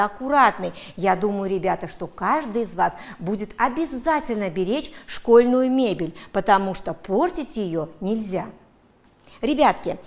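A woman with an Uzbek accent teaches first graders on television, her voice a little high and swinging widely up and down. She speaks slowly and in a sing-song way, stretching words out so that small children can follow along. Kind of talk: televised lesson for young children.

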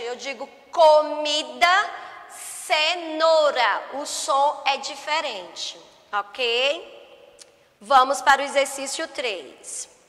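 A Brazilian woman teaching young children, her voice high and bright as she stretches out each word slowly and patiently. The recording carries a long reverb, like a bare room. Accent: Brazilian Portuguese. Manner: patient, drawn-out words, spelling sounds slowly for children. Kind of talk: remote lesson for first graders.

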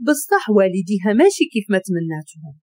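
A woman with a Moroccan accent narrating a romantic story in an expressive, dramatic way. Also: medium pitch, quick pace, dry recording.

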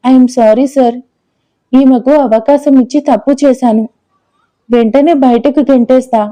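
A woman's voice: high-pitched, fairly even intonation, unhurried, mellow, rough recording. A woman voicing a rude, haughty young female office manager who talks down to others in a scornful, commanding way.

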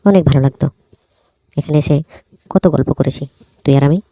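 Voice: mid-range voice, a little fast, no echo, muffled recording, natural voice. A performer voicing a broke, pleading cartoon friend who talks in a casual, chummy, coaxing way. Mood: friendly, nostalgic. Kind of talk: cartoon dialogue.

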